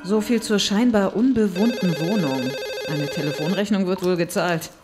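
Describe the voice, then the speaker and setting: A woman's voice: lowish voice, normal speed, over music, lightly acted. An actress playing a determined female police inspector in an audio drama, curt, demanding and no-nonsense. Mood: wary.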